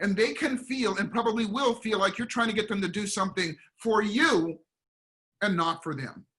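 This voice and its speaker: A man speaks in a raised, projected voice with a high pitch. His intonation is lively and his tone bright and sharp. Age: 60s. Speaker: performance coach. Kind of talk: interview. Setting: podcast.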